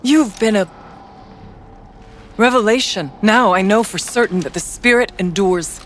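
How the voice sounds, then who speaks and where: A woman's voice: mid-range voice, measured pace, a little hiss or hum, close to an everyday voice. A woman playing a devout, anguished female tribal shaman in a video game, with solemn, fervent, formal delivery. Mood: awed, earnest. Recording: voice over game music. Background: music.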